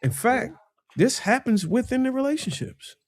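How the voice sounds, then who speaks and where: A man's voice: very high-pitched, lively intonation, moderate pace, dry recording. A man on a podcast panel who speaks bluntly and crudely in casual discussion.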